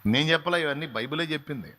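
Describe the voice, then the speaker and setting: A man preaching a sermon as a pastor, impassioned, swinging between loud exclamations and soft pleading appeals and repeating phrases for emphasis. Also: on the high side, very fast.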